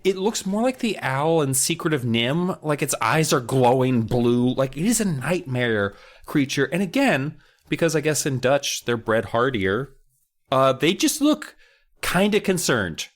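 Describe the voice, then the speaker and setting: Man, mid-pitched voice, very animated intonation, casual comic banter, profane, exaggerated exasperation. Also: a little slow. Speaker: podcast co-host. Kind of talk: casual comic chat, critiquing book covers.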